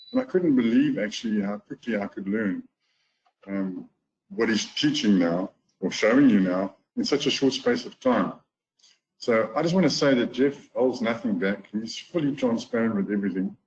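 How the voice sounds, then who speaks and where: Brief: 50s South African man, earnest guest speaker, mid pitch, dull online-call audio. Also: darkish tone. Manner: earnest, repeats words as he restarts. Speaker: guest speaker, golf teacher. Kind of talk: webinar testimonial talk. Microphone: online call mic. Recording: lo-fi webinar audio.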